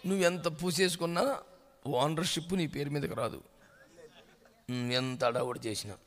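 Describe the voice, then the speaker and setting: Animated preacher man. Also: a little high, moderate pace. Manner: animated preaching with rhetorical questions and anecdotes; mixes English words into the sermon. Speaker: pastor. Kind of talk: sermon.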